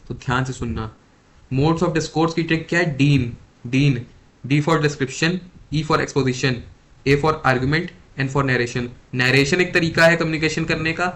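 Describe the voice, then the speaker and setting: A young man giving an exam lesson, mixing Hindi and English, who slows down to repeat key definitions and keeps quizzing his listeners. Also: mid-range voice, a bit bright. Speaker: exam tutor.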